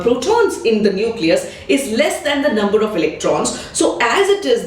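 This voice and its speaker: A woman chemistry teacher giving a patient, step-by-step explanatory lesson. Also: a little high. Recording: echoey room, distant mic.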